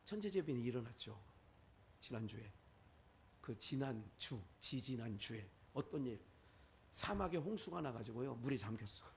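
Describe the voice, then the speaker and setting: A man's voice: medium pitch, big pitch swings, normal speed, slight background noise. A male pastor with a Chungcheong Korean accent, preaching a sermon full of rhetorical questions and quoted asides.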